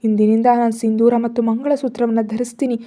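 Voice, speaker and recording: A woman's voice: a little high, little pitch movement, fairly quick, warm tone, close to an everyday voice. A woman voicing a frightened young wife who begs and pleads. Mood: pleading. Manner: pleading, fearful.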